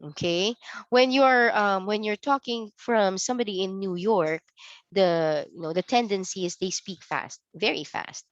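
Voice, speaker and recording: A woman's voice: medium pitch, unhurried, no room sound, lo-fi sound. A woman with a Filipino accent giving an online training lecture, often checking in with "okay" and "right" as she reads definitions. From Philippines.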